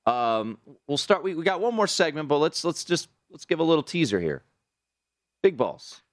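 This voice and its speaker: A man hosting a casual sports talk panel, animated and asking his guests questions. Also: a little high, moderate pace, no echo, studio quality. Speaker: host.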